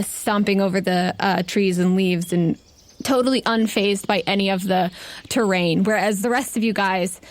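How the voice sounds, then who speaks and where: A woman running a tabletop game, improvising narration in an informal, conversational way. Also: mid-range voice. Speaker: game master.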